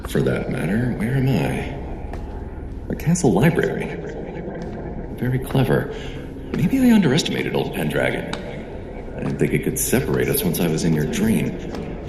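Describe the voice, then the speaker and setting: A man's voice: low-pitched, huge pitch swings, moderate pace, long pauses, heavily acted. A man playing a self-assured, erudite sorcerer in an audio drama, wry and theatrical as he talks things through to himself. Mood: wry, searching. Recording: echoey room with noisy ambience behind.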